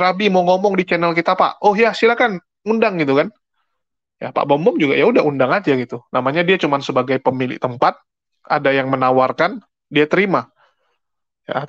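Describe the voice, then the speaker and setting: A man's voice: medium pitch, no echo. Indonesian male host, talky and explanatory, lo-fi dry recording. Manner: chatty, explains with everyday examples and mock English. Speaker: religious commentary channel host. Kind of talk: casual commentary monologue.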